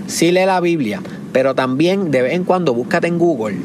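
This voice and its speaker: A man's voice: fairly high pitch, lively intonation, moderate pace, background noise. A man in his twenties from Puerto Rico with a Puerto Rican Spanish accent, giving practical advice as a podcast host in an emphatic, repetitive preaching cadence. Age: 20s. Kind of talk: motivational preaching monologue.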